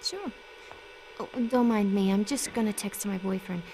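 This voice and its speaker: A woman's voice: medium pitch, normal speed, warm tone, a little hiss or hum, natural voice. A woman playing a friendly, casual young woman with a breezy, teasing way of talking in a naturalistic video game style. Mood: breezy, playful. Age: young adult.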